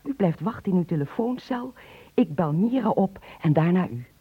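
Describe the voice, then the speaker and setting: A muffled, dry old radio play recording. a lonely, nosy elderly woman with a husky voice and lively swings of pitch, insistently asking questions. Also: normal speed, no room sound. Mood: eager. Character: lonely, inquisitive old woman starved for company. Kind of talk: radio drama acting.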